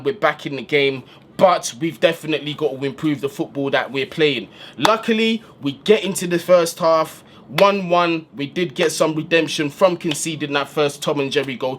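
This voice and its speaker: A man's voice: on the high side, moderate pace, slight background noise. A man giving a casual, slang-filled post-match breakdown as a football fan channel host, recorded indoors in a room. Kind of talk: post-match analysis monologue.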